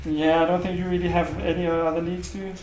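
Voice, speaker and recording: A man running a tabletop game as game master, narrating scenes in a halting way with many pauses and fillers. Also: fairly high pitch, level tone, crowd noise. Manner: halting, many uhs while describing scenes. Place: event room, indoors. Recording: echoey room with background noise.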